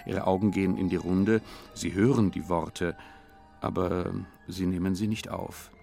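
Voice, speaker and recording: Low, gravelly male narrator with a faint music bed; scripted storybook read. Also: fairly even intonation, dark tone. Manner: measured, descriptive storytelling.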